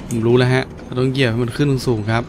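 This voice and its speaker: A man giving casual let's-play commentary in an animated, exclamatory way, with playful muttering. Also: medium pitch, racing, noisy background. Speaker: gameplay commentator. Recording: game music behind the voice. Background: video game music.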